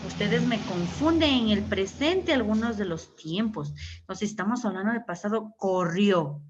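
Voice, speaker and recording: A woman's voice: mid-range voice, lively intonation, moderate pace. A woman from Ecuador teaching English grammar to a class, patiently repeating words and checking that students follow. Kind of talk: online class explanation. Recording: muffled lo-fi audio.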